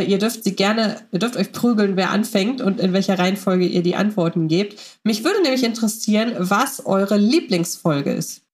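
A woman with a mid-range voice hosts a relaxed group talk. She is chatty and wordy as she moderates the round and hands questions to her guests. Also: medium pitch. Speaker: podcast host.

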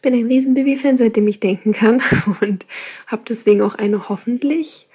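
A woman of about thirty speaks in a soft-edged, husky and mellow voice. She sounds like a listener recording an informal message, casually posing a question. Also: fairly high pitch, moderate pace. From Berlin, Germany. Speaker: listener sending in a quiz question.

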